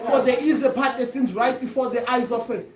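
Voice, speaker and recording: A woman performs a spoken-word poem with impassioned, declamatory force. Her voice sits fairly high and carries a roomy echo around it. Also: steady tone, fairly quick, a crowd in the background. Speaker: poet reciting at a gathering. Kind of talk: spoken-word poetry recitation.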